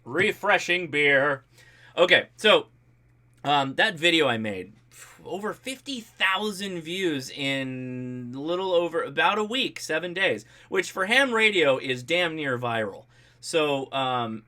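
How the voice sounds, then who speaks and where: Taking things slowly in a slightly high voice, the American host of a ham radio livestream reads out viewer comments. He answers them casually, with lots of animation, jokes and colloquial phrasing.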